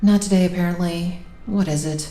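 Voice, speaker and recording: A woman's voice: lowish voice, steady tone, brisk, warm tone, echoey room, slight background noise, lightly acted. A woman acting in an audio drama as a guarded, sarcastic, stubborn woman with a dry, weary, curt delivery.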